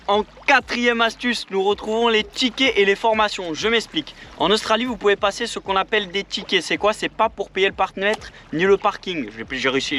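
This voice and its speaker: A man's voice: sits high, bright, forceful tone, a little hiss or hum. A man giving upbeat, jokey tips in a casual vlog, talking to viewers as friends. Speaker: vlogger giving job tips.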